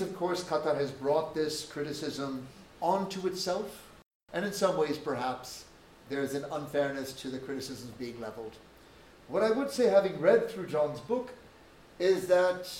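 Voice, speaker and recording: Host, male, measured academic intro, slightly high voice, recorded from afar in an echoey room. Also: darkish tone, far from the mic, a little hiss or hum. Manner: measured, academic, dryly joking. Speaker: event host introducing a speaker. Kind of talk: formal spoken introduction. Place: lecture room.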